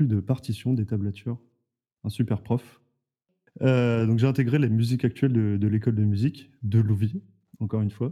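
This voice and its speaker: A man's dark, mellow tone at medium pitch, fairly even in intonation, at a moderate pace. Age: 20s. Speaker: podcast host and musician. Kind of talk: casual chat.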